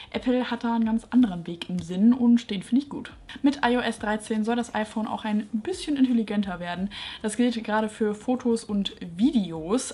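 A woman's voice: mid-range voice, a little mellow, slight background noise. A woman in her twenties, a tech YouTuber, gives a chatty, lightly opinionated recap of tech news straight to camera in a small room at home.

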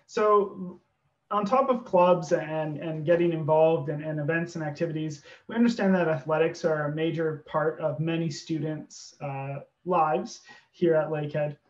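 A Canadian man presenting athletics information in a virtual session. He talks with filler pauses and restarts. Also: fairly high pitch, steady tone. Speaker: university presenter. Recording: dull echoey call audio.

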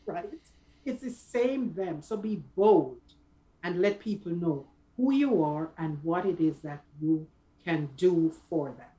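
A middle-aged woman speaking as a guest career coach on a video call, giving conversational advice in a deliberate, emphatic way. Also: medium pitch, a little mellow, rough recording. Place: small office, indoors.

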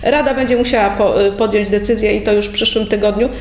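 A woman's voice: mid-range voice, steady tone, fast talker, darkish tone. A middle-aged woman interviewing a local official in a TV studio, asking chatty, informal questions. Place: TV studio at a table. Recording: echoey studio room.

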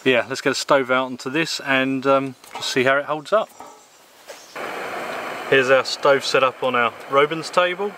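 A man in his thirties from England casually reviewing a camping table outdoors in the woods, with a relaxed manner and plenty of ums and uhs. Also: mid-range voice, moderate pace, a little hiss or hum. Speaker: gear reviewer. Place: outdoors in woodland.

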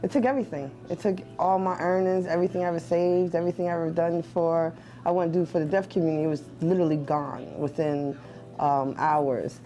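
A woman's voice: lowish voice, fairly even intonation, fairly quick, mellow, soft background music. A middle-aged woman, a cafe owner, speaking earnestly and from the heart in an interview, with fillers, inside her cafe. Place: indoors in a cafe.

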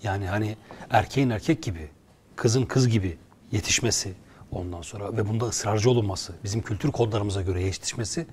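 A man appearing as a guest screenwriter in a studio talk, explaining earnestly and often pausing to search for words. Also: lowish voice, a little mellow. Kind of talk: casual studio conversation.

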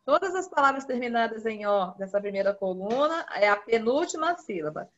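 A Brazilian woman teaching young children in an online class, patiently repeating key words slowly. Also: a little high, big pitch swings, a bit bright, lo-fi sound. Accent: Brazilian Portuguese. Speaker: primary school teacher. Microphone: video call.

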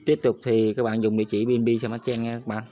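Fast, flat-voiced man walking viewers through steps. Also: mid-range voice, a little hiss or hum. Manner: repetitive, addresses viewers constantly as "các bạn". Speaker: crypto tutorial host. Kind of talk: screen-recorded step-by-step tutorial.

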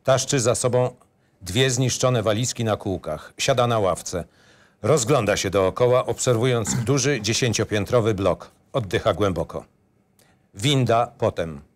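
A man's voice: lowish voice, a little slow. A man narrating a screenplay in clipped, matter-of-fact phrases.

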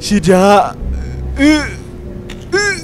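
A man's voice: extremely slow, music in the background. A young man giving casual, crude, joking commentary while playing a horror game, talking back at the game. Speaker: gameplay commentator.

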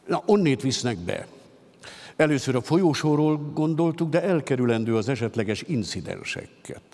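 A man voicing a composed male official who calmly lays out the steps for moving a prisoner, speaking in measured, businesslike instructions. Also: mid-range voice, lightly acted. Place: concert hall stage at a literary gala. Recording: long hall reverb.

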